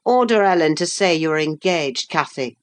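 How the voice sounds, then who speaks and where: A woman reading aloud who voices a sullen, resentful young man in a low, unhurried voice close to her own. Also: animated.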